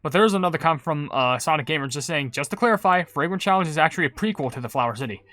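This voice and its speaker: A man's voice: a little high, lively intonation, rapid-fire, bright, forceful tone, no room sound. A man hosting a gaming video, chatting casually and rambling as he comments and reads aloud.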